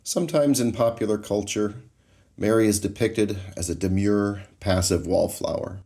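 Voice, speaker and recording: A man leading a guided Christian meditation in a calm, soothing, measured way. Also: lowish voice.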